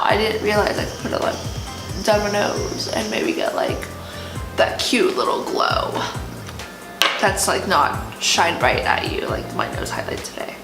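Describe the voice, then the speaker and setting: A woman chatting casually and excitably as a beauty vlogger, gushing over products while she has hiccups. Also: medium pitch. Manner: talking while having hiccups. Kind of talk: casual product unbagging chat. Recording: roomy echo, music behind. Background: music.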